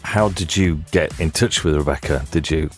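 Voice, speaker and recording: A man's voice: rumbling low, moderate pace, faint music behind. A male radio host interviewing a guest in the studio, asking curious and playful questions.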